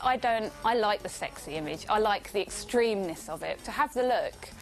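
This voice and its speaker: A woman's voice: mid-range voice, expressive, normal speed, rough recording. A woman giving frank, opinionated views in a documentary interview. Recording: music under the voice.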